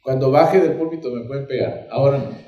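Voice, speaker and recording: A man with a Peruvian accent preaching a sermon as pastor, lively and acting out little dialogues as he talks. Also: medium pitch, brisk. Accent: Peruvian Spanish. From Peru. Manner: animated, acts out dialogues with shifting voices. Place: church sanctuary. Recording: echoey church hall.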